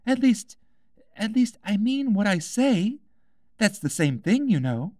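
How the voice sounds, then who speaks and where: Man doing a little girl, high pitch, very animated, polite, indignant, inquisitive, storybook. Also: slow, dry recording, clean studio sound, full character voice. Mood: indignant, eager.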